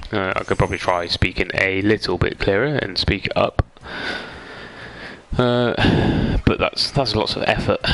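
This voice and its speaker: The speaker mumbles at a fairly slow pace, with ordinary pitch variation. Long, frequent pauses interrupt the talk, and noticeable background noise sits behind it. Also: man, fairly low pitch for a man. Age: 20s. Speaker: gaming streamer. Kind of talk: live game streaming commentary. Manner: mumbling.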